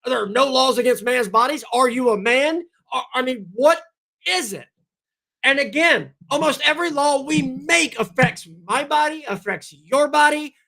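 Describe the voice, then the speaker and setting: Man host, high and bright, blunt and combative, voice wearing out. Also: normal speed, vocal fry. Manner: blunt, combative, talks straight to chat. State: losing his voice, clears throat. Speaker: livestream host. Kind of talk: political commentary livestream.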